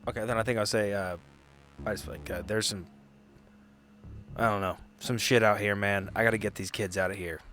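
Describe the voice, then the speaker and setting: A man playing a tabletop roleplaying game, talking casually and a little haltingly, slipping in and out of character. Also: lowish voice, steady tone, fairly bright tone. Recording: music behind. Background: background music.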